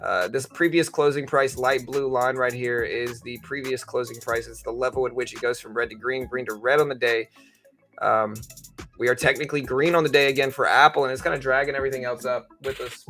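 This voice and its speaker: Bright-voiced man in casual market livestream commentary. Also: mid-range voice, fairly even intonation, fairly quick, faint music behind. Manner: informal, conversational, explanatory, hedging both sides. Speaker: livestream host and stock trading commentator.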